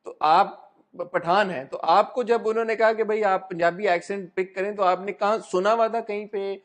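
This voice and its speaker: A man's voice: high voice, fairly even intonation, moderate pace. A man hosting a casual interview, chatty and teasing, often laughing along with his guest.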